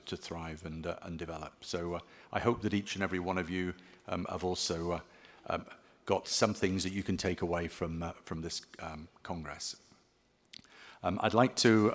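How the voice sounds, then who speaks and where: A man giving closing remarks at a conference, speaking haltingly with many ums and restarts. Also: low voice, fairly bright tone. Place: conference hall. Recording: long reverb of a large hall.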